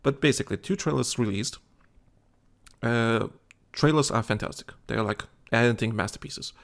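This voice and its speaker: A man's voice: mid-range voice, moderate pace, vocal fry. A tired man co-hosting a casual gaming chat show, rambling with many restarts and fillers. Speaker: podcast co-host.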